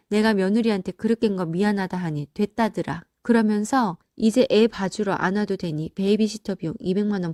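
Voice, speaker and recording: A woman's voice: medium pitch, darkish tone, no echo, studio quality, natural voice. A woman voicing a hurt but firm older mother in a story, speaking with reproach and resolve.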